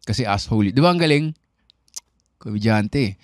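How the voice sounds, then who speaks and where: A man's voice: lowish voice, animated, moderate pace, no room sound, clean studio sound. A young adult man with a Filipino accent, hosting a podcast as a comedian. He answers listener questions in a loose, rambling way and keeps asking "di ba?". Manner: chatty and rambling, tagging on "di ba?" and "alam mo yun".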